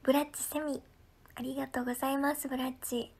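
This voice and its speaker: A high-pitched woman from Ehime with a local lilt, talking casually on a livestream as she reads viewer comments aloud. Her tone is friendly and chatty, and she often slips into soft, breathy half-whispers. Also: little pitch movement, fast. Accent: Ehime Japanese. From Ehime, Japan.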